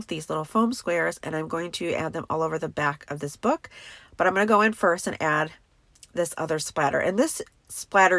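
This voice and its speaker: A woman with a lowish, slightly bright, congested voice narrates a crafting tutorial with no room sound. She's chatty and enthusiastic, dropping in lots of fillers.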